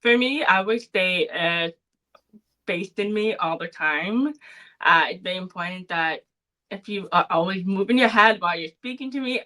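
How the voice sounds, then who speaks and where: A young woman with a soft, bright voice talks as a podcast guest. She explains things earnestly and lays out her thoughts point by point, in an easy, conversational interview style. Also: lowish voice, poor audio. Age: young adult. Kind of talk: casual interview talk.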